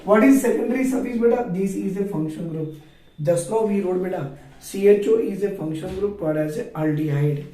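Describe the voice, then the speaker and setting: High-pitched South Asian man teaching, very echoey. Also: brisk, dark tone. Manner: questioning, repetitive, spelling terms out letter by letter. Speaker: chemistry teacher. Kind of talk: online chemistry lesson. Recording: echoey room, far from mic.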